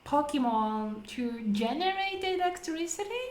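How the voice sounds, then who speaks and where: A woman with a high voice and a Japanese accent hosts a conversational language lesson. She explains step by step and poses questions along the way. The sound is echoey and roomy. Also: lively intonation, measured pace. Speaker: host leading English conversation practice. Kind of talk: casual explanatory lesson talk.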